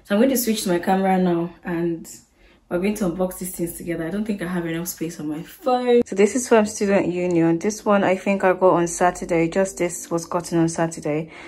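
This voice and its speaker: A woman's voice: lowish voice, steady tone, darkish tone. Chatty Nigerian woman vlogging. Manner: chatty, quick asides. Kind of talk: casual vlog chat.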